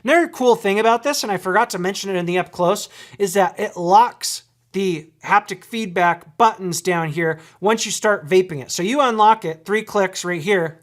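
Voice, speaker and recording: A man's voice: sits high, normal speed, hardly any pauses, fairly bright tone. A man giving a casual, enthusiastic product review to camera, chatty, with fillers and restarts.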